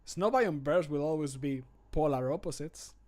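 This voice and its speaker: A man's voice: a little high, moderate pace, a little mellow, close to an everyday voice. Man voicing a punning, mock-sincere fantasy game character. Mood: wry, punning. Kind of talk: scripted game voice lines.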